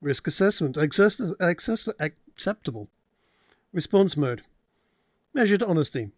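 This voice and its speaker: A man's voice: fairly high pitch, measured pace, dry recording, dull audio. Brief: man doing a terse old AI, clipped computer processing readouts, dry close sound. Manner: clipped, flat status announcements. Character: ancient AI archive, terse and guarded. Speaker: game master.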